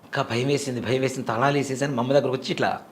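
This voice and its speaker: A man's voice: medium pitch, fairly even intonation, racing, a little hiss or hum. A man in his forties, a temple priest, telling a personal story in a casual interview with vivid, earnest detail. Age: 40s. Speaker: temple priest and devotional guest.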